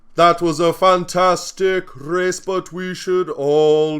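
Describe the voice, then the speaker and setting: This is a put-on character voice delivered at a very slow pace. The intonation stays monotone and flat. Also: man, high pitch for a man. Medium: actual play.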